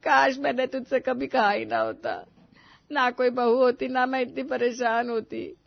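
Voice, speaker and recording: A woman voicing a dramatic, complaining elderly mother-in-law in an animated story, wailing and melodramatic. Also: high voice, a little slow, vocal fry, highs cut off, heavily acted.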